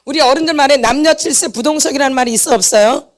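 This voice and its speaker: A woman's voice: sits high, fast talker. A woman teaching a church healing seminar, driving her points home and quizzing the congregation for answers. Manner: emphatic, repeats points and quizzes the audience for answers. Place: church meeting hall.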